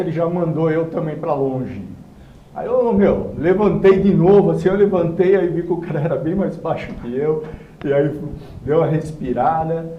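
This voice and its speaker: A man telling a story in a lively, casual way and acting out the people in it. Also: fairly high pitch, a little hiss or hum. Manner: animated, acts out quoted voices. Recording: roomy, dull sound.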